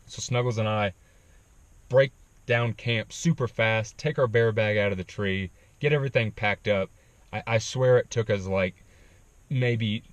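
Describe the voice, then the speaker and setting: A man casually telling a backpacking story, animated, with frequent ums. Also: lowish voice, no echo. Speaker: backpacking vlogger.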